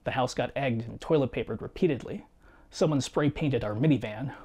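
A man in his thirties reading a scripted personal video essay in a measured, reflective way, seated in a small home studio. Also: medium pitch, breathy edge. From United States. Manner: measured, reflective storytelling with quiet asides. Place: small home studio room with guitars and shelves.

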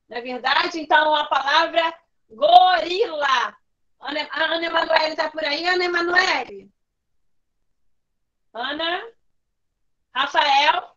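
A patient woman teaches over a video call, calling on pupils by name and asking her questions again until they answer. Her voice sits high and bright. The call audio is dull and lo-fi. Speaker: primary school teacher. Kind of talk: online class lesson.

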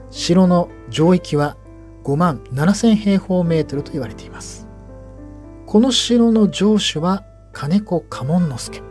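Higher-pitched male history narrator. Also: darkish tone. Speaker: host and narrator. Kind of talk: presenting and narrating local history.

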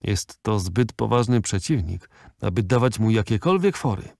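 A man's voice: fairly low pitch, animated, normal speed, gravelly, darkish tone, no echo, clean studio sound. Man voicing a haughty old aristocratic lady. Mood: explaining. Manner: stiff, disdainful, lecturing.

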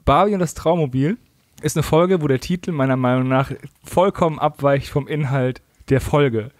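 A man's voice: medium pitch, normal speed, dry recording, clean studio sound. A man, chatting casually as a podcast co-host.

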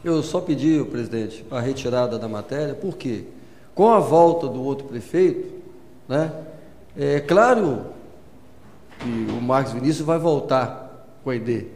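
A man, a city councillor, making a measured, conciliatory remark in a council chamber. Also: mid-range voice, expressive, a little mellow, a little hiss or hum. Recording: echoey hall with long reverb.

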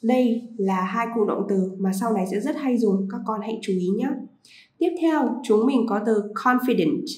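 A woman teaching a vocabulary lesson to pupils, repeating each English word slowly before explaining it. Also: on the high side, dark tone, roomy sound, low-quality recording.

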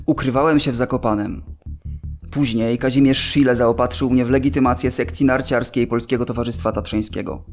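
Male actor as young soldier-student, mid-pitched, measured, factual radio drama testimony over music. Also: steady tone, natural voice. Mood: sober recollection. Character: young Polish medical student and soldier recounting wartime memories. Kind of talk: documentary radio drama monologue.

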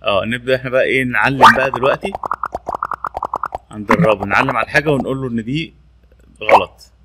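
This casual screen-recorded tech tutorial has a man with an Egyptian Arabic accent showing off a training tool and repeating its labels. He speaks very fast at a medium pitch, and the recording is very noisy.

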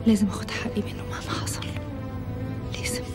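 Brief: quick, bright-pitched Egyptian actress as a cool young woman, music under. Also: fairly even intonation, lightly acted. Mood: brooding. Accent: Egyptian Arabic. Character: guarded determined young woman. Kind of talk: TV drama acting.

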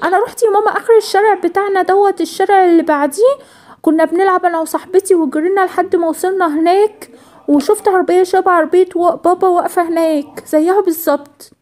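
Woman voicing an eager, insistent little Egyptian girl for a cartoon, very high and rapid. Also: fairly even intonation, a little mellow. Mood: excited. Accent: Egyptian Arabic. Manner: eager, pleading, breathless chatter.

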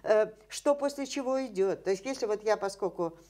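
An older woman talks as a scientist guest on an interview program, her voice at an ordinary middle pitch. She explains animatedly, scattering fillers and rhetorical questions, recorded seated indoors in a dim room. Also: fairly quick, mellow.

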